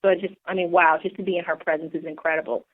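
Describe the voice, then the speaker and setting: An eager woman co-hosts a podcast, earnest and enthusiastic, stumbling now and then on fillers while reading. Her pitch is ordinary for a woman. The audio comes through a narrow, phone-like line. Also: level tone. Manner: enthusiastic, earnest, a bit halting. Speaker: co-host. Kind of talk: podcast hosting, reading a bio.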